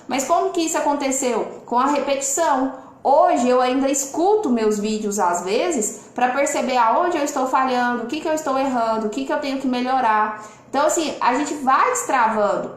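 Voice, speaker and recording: A Brazilian woman speaking from home on a live stream, lively and expressive, changing her loudness and tone on purpose as she reads out viewers' comments. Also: high-pitched, moderate pace, roomy sound. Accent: Brazilian Portuguese. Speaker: lawyer and online mentor hosting a live.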